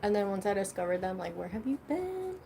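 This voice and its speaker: A woman's voice: medium pitch, sing-song, fairly quick, gravelly, warm tone, slight background noise. A young woman hosting a casual livestream, chatting loosely and swearing freely while she eats. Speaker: livestream host.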